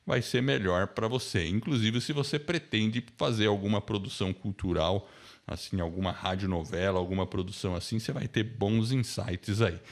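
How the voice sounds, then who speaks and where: Low-voiced Brazilian man hosting online. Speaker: podcast course host and mentor. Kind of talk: casual spoken introduction to an online lesson.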